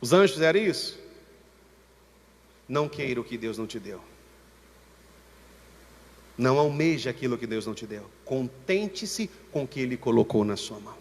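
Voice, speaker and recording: A Brazilian man with a Brazilian Portuguese accent, preaching a sermon as pastor at a church service with impassioned, slow, emphatic repetition. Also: medium pitch, animated. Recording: church reverb with long echo tail.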